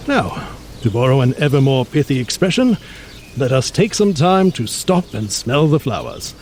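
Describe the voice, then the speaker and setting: A man's voice: medium pitch, noisy background. A man playing an erudite, genial mutant scientist in an audio drama, speaking in a florid, pompous, theatrical manner with bookish words. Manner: florid, pompous, bookish vocabulary with emphatic delivery. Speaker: scientist guide.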